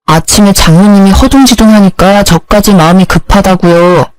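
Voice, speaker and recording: A woman's voice: mid-range voice, moderate pace, darkish tone, dry recording, close to an everyday voice, low-quality recording. A woman voicing a self-centered young husband who talks in curt, demanding scolds. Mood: bossy.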